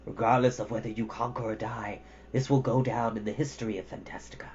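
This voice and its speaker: A man voicing a grave, deferential blue djinn in a hushed, respectful manner. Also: mid-range voice, level tone, quick pace, lo-fi sound, a little hiss or hum, voice pushed down, lightly acted. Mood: solemn.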